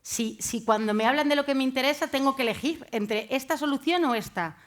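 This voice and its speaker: A woman journalist speaking on a discussion panel, pausing often with fillers. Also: sits high. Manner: hesitant, many fillers.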